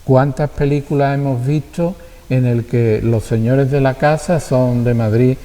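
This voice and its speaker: Andalusian man, TV guest, soft dark tone, halting thoughtful speech, reverberant room. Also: mid-range voice, steady tone. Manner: thoughtful, halting, repeats words as he searches. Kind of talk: reflective conversation.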